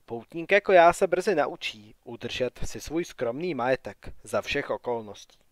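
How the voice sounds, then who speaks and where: A man voicing a sardonic young male wanderer who grumbles and mocks, read softly in an audiobook. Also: mid-range voice, animated, no echo, lightly acted.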